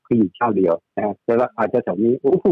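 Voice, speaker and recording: Fast-talking man giving stock commentary. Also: on the low side, husky, no room sound, narrow, tinny audio. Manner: rambling, repeats words, chatty. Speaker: stock market analyst. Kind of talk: casual market commentary.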